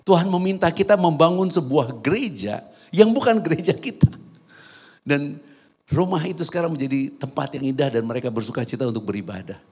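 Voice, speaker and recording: A man's voice: fairly high pitch, expressive, a little fast, darkish tone, husky. A man preaching a sermon as pastor, telling a personal story and then building to fervent exhortation in a church hall.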